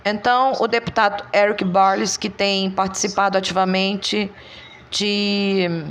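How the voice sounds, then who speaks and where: A woman giving a calm, evenly paced translated voice-over narration. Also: mid-range voice, measured pace, smooth.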